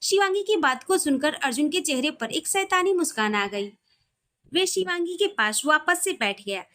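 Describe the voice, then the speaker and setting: A woman with a high voice narrates romantic fiction. She reads from a script as a storyteller. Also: animated, moderate pace, pushed and bright.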